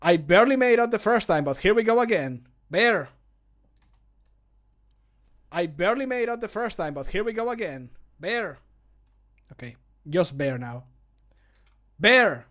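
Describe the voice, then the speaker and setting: A man's voice: high-pitched, lively intonation, unhurried, long pauses, a bit bright, pitched above the performer's own voice. A man voicing a wry fantasy game adventurer, theatrical and projected, recorded close to the microphone. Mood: alarmed, bold. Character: wry male fantasy game adventurer cracking bear puns. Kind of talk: video game voice line takes. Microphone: close studio microphone.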